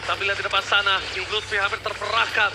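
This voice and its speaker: An Indonesian-accented man working as an esports caster, giving excited, dramatic and emphatic play-by-play commentary. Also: high voice, fast, heavy background noise. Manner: dramatic, emphatic, asks and answers own questions.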